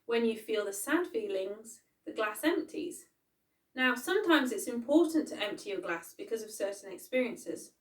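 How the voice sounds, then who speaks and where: A woman voicing a wise, gentle old grandmother. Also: fairly high pitch, lively intonation, natural voice. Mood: teaching. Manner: gentle, unhurried, quietly firm. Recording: echoey room, far from the mic.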